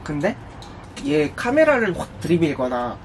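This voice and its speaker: A young man chatting casually and telling anecdotes in an animated way, acting out quotes as he goes. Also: on the high side, moderate pace, gravelly, a little hiss or hum. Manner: animated storytelling with acted-out quotes. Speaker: vlogger. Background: music.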